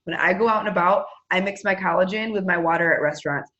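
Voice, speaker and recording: Talking fast in a lowish, somewhat bright voice over lo-fi sound, a woman hosts a team meeting by video call. Her casual, excited pep talk is chatty and upbeat as she promotes sales goals and draws prize winners.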